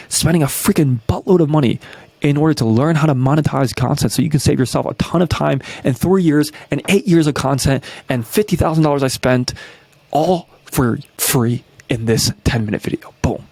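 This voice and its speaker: A man in his twenties from New York, breaking down marketing tactics as a coach, energetic and full of rhetorical questions, tagging "right?" onto nearly every point. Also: fairly high pitch, brisk, creaky, no echo. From New York, USA. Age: 20s. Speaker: YouTube business coach.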